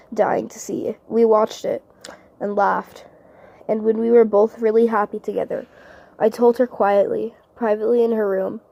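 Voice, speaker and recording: Woman playing an earnest, soft-spoken twelve-year-old girl. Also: medium pitch, vocal fry, no room sound, highs cut off, close to an everyday voice. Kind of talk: audition monologue.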